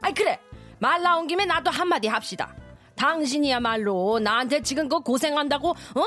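A woman's voice: high-pitched, lively intonation, moderate pace, a bit bright, soft background music. Woman playing a sighing, envious housewife. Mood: indignant. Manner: sighing, complaining, wailing. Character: aging housewife, envious, whiny and self-pitying. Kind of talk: radio skit acting.

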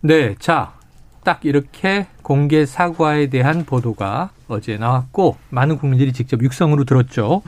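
A man hosting a talk show and moderating a political debate, prompting guests in a brisk, steady way. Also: mid-range voice, no room sound.

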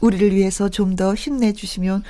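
A woman's voice: mid-range voice, steady tone, fairly quick, warm tone, slight background noise. A woman hosting a radio show, chatting casually and laughing often. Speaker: radio host.

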